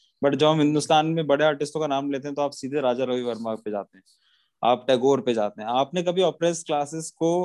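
Against a quiet background, a man with a fairly high pitch speaks at a moderate pace. His is an ordinary speaking voice, with ordinary pitch variation. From western Uttar Pradesh, India. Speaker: artist. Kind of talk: casual interview.

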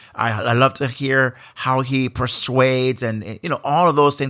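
At a fairly slow pace, a man with a Jamaican accent talks in a medium pitch with ordinary pitch variation. His tone is animated, bright and sharp, in a very clean recording with a silent background. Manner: informal, animated.

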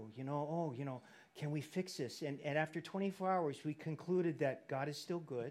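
Here a man speaks at a very slow pace. His voice is fairly high, with fairly even intonation. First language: English (speaking Japanese). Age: 60s. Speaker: pastor. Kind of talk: sermon.

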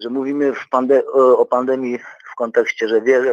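A man talks at a medium pitch with monotone, flat intonation. The sound is dry and close, with no echo. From rural Poland. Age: 50s. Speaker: caller. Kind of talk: phone-in discussion.

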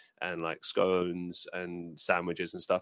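Very clean, with a silent background and a dry, close sound with no echo. A man with a British accent speaks at a moderate pace in a bright, sharp tone. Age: 20s. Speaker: podcast host. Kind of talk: casual chat.

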